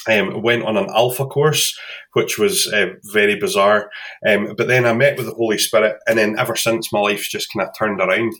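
A man's voice: on the low side, normal speed. A Scottish man from Glasgow, a podcast guest, telling his story casually with lots of ums. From Scotland. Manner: relaxed, many fillers like um and kinda.

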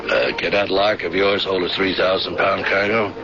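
An actor playing a sly, jovial smuggler and shady dealmaker in a 1970s radio drama, with folksy, slangy hustler's patter. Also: male voice, low voice, flat delivery, moderate pace, crowd noise, natural voice. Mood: slippery, persuasive. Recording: dull vintage radio recording with music.

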